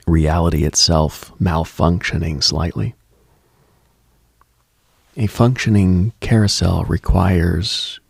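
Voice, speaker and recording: Here a man with a low-pitched, gravelly, husky, breathy voice hosts a mystical late-night radio broadcast. Close to the microphone, he tells eerie, reflective stories in a hushed, halting, musing style, with no echo in the sound.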